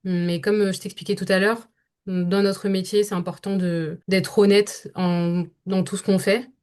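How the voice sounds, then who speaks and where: A woman's voice: mid-range voice, flat delivery, measured pace, darkish tone. A young French woman, a voice-over actress, talking through her career as a podcast guest, thoughtful and full of hesitations. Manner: thoughtful, many hesitations and restarts. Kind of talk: podcast interview conversation.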